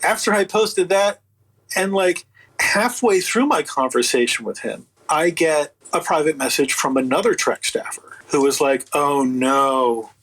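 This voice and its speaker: A man who produces audio books retells a story as an interview guest, sounding incredulous and sardonic as he acts out the conversations he quotes. His voice is a little high with a breathy edge, his pace measured, and the recording rough.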